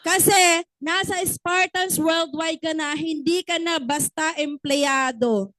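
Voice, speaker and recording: A woman's voice: very high-pitched, slow, a bit bright, no echo, low-quality recording. A woman giving a motivational business training talk, often asking the audience questions and acting out little stories.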